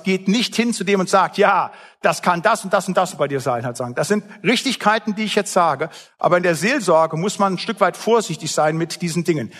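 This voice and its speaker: A man's voice: sits high, a bit bright, long reverb tail. A man preaching a sermon as pastor, emphatic and blunt, with plain everyday asides.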